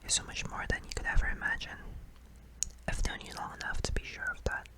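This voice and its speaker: A performer voicing a kindly, apologetic sleep paralysis demon in a soft, hesitant, breathy whisper for an ASMR roleplay. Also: very high voice, expressive, fast talker. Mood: reassuring, tender.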